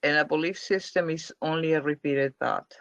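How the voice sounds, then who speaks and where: A man's voice: fairly high pitch, moderate pace, creaky, fairly bright tone, no echo. A man leading a spiritual question-and-answer class, explaining emphatically and repeating his points. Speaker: spiritual teacher. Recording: dull lo-fi dry sound.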